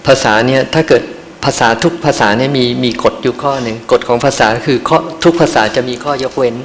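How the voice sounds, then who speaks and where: A man interprets a meditation talk in a polite, measured way and closes his phrases with courteous particles. His voice sits at an ordinary pitch. It rings with a long hall reverb over faint background noise. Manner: polite, ends phrases with khrap.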